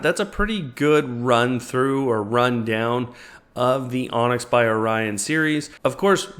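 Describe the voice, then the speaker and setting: A man's voice: mid-range voice, fairly bright tone. A man hosting a tech tutorial, explaining a product setup step by step in a casual way. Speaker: tech reviewer and tutorial host. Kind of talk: step-by-step product demo narration.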